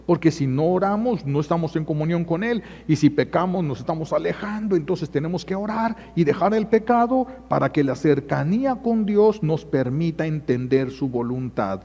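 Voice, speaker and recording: A man's voice: on the high side, animated, normal speed, hardly any pauses, warm tone. A man with a Mexican accent preaching a homily, emphatic and telling folksy stories, often repeating key phrases. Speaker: priest. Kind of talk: sermon. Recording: echoey muffled church sound.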